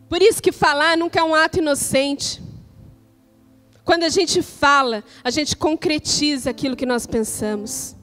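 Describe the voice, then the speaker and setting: A woman pastor with a Brazilian Portuguese accent preaching a sermon in church, measured and declarative, with rhetorical questions. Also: high voice, fairly bright tone, faint music behind.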